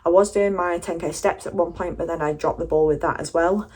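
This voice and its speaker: Low-pitched British woman, casual vlog chat. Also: fairly even intonation, brisk, darkish tone, slightly rough. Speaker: running vlogger.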